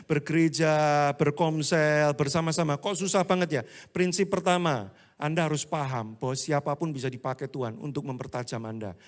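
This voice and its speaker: A man preaches to his congregation in an easygoing, humorous way, often slipping into little acted-out complaints. His voice sits a bit high, and it swings from bursts of volume down to near murmurs. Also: normal speed. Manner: humorous, acts out church members' complaints; animated, with swings between loud and hushed. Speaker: pastor. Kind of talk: casual sermon to a congregation.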